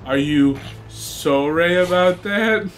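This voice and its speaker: A man's voice: sits high, slow, faint music behind. A man giving casual, joking game commentary in a silly, sarcastic manner.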